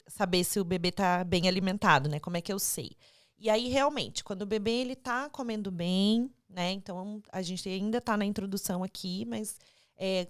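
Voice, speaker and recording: Woman, Brazilian Portuguese accent, podcast host, chatty, mid pitch, dry close sound. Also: dry recording. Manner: chatty, animated, tags sentences with "né" and "sabe". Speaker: mother of a young daughter. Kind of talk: casual conversational interview.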